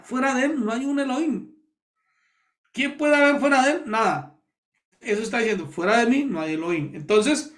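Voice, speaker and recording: A pastor from Colombia leading a Bible study, explaining words slowly and repeating key terms to his listeners. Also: high-pitched.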